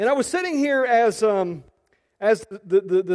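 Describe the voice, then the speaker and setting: A man with a strong eastern North Carolina accent at a moderate pace. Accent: strong Down East North Carolina. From North Carolina coast, Down East Carteret County. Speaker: guest preacher. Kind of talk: sermon. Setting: church with congregation. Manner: animated.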